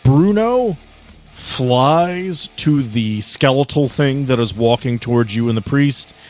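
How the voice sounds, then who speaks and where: A man with a mid-pitched voice runs a tabletop roleplaying game as its game master. He narrates the scene and gives rulings, with faint guitar music behind him. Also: expressive, takes it slowly, a little mellow. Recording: background music under the voice.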